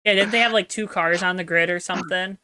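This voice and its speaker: A woman's voice: fairly low pitch, fairly even intonation, fast talker, pushed and bright, no echo. A young adult woman co-hosting a podcast, chatting casually in a chatty, self-deprecating, joking way. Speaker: podcast co-host. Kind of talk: casual chat.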